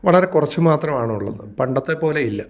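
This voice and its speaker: Gravelly man explaining on radio. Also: a little high, expressive. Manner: measured, explanatory, with hesitant fillers. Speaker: agriculture assistant, interview guest. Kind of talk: radio interview answers. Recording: dull lo-fi radio sound.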